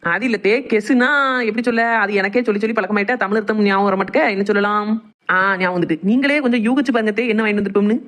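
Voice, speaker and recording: A woman's voice: mid-range voice, lightly acted. A woman voicing a chatty, teasing young village daughter-in-law in a cartoon, coaxing her elders in Tirunelveli Tamil dialect. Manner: rapid, chatty, cajoling dialect speech. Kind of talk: cartoon family comedy dialogue.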